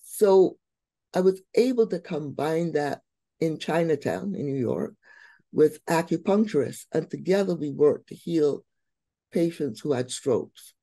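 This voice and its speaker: A middle-aged woman from Barbados, a guest on a video call who tells her life story with warm, expressive emphasis. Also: sits low, a little slow, dry recording. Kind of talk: interview storytelling.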